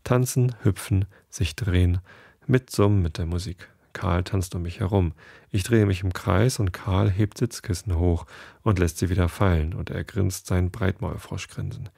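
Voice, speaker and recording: A man hosting a podcast, reading a first-person story in a calm, measured way. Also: low-pitched, gravelly, breathy edge, no echo, studio quality.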